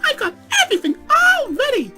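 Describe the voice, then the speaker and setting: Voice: very high voice, wildly swooping pitch, a little fast, pushed and bright, soft background music, pitched above the performer's own voice, full character voice. A narrator voicing a bubbly, hyperactive young pink pony mare in a storybook reading, squealing and gushing. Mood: cheery.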